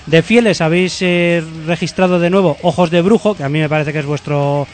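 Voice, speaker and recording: A man runs a casual interview at a brisk clip. His voice sits a little high, and he chats freely, breaking off and restarting his words. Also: steady tone. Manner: chatty, self-interrupting, stammers on restarts. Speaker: radio interviewer.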